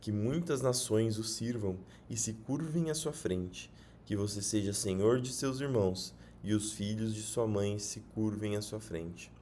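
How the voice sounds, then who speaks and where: Old blind father giving a blessing, solemn and measured, low voice, read by a man. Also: mellow, slight background noise, lightly acted. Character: aged blind father blessing his son.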